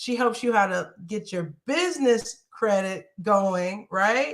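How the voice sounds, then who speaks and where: A woman speaks in an animated tone. Her pitch variation is ordinary. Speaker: mortgage educator. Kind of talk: sales pitch.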